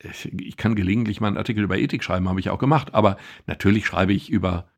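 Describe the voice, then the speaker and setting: Low gravelly man telling stories. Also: racing. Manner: storytelling, self-ironic. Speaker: podcast co-host, physician. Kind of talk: casual podcast conversation.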